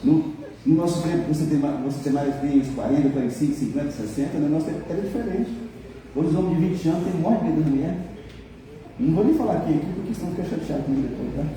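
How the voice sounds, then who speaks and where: A man's voice: a little high, fast talker, warm tone, a little hiss or hum. A middle-aged man, preaching a humorous sermon and teasing his congregation. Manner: joking, teasing the congregation, mimicking people. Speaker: pastor. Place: church hall. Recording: echoey hall from a distant mic.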